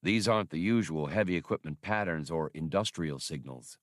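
A deep-voiced servant droid from a space adventure audiobook, played by a male narrator. It speaks formally and precisely, deferential and measured, in a very dry recording. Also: dry recording, close to an everyday voice. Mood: calm, reporting. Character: polite, dutiful male-voiced labor droid, deferential and literal.

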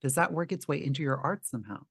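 Podcast host, relaxed and dry. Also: mid-range voice, fast, gravelly, husky, no echo. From Canada. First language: Arabic. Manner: relaxed, reflective, with filler "um" and "like". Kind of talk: casual interview chat.

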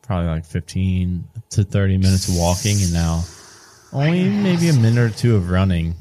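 Lively-voiced man running a tabletop game. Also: deep voice, moderate pace, a little hiss or hum. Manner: casual, laughing, loose. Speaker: game master.

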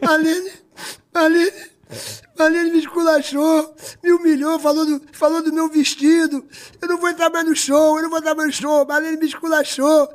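A man putting on a sobbing, shrill woman. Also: little pitch movement, normal speed. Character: tearful distraught woman, sobbing and complaining.

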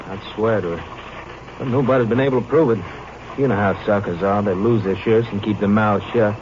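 A man's voice: fairly low pitch, fairly quick, dull audio, natural voice. An American actor playing a blunt, indignant small-town newspaper man in a 1950s western radio drama. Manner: blunt, emphatic. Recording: noisy, band-limited old radio recording.

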